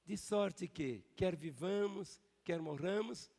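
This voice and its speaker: Gravelly older pastor preaching in a hall. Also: male voice, sits high, takes it slowly, darkish tone. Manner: emphatic preaching with call-and-response. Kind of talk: sermon. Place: large church. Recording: long church hall reverb.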